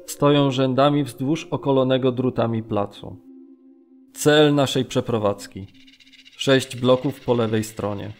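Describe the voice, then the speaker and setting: An actor reading as a Polish camp prisoner bearing witness in an audio drama, sombre, earnest and measured. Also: male voice, mid-range voice, darkish tone, lightly acted. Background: music.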